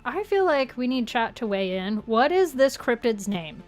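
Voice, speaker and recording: A woman with a high voice co-hosts a casual live show. She talks in a lively, chatty way, with music present in the mix. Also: moderate pace. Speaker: co-host of a live cryptid talk show.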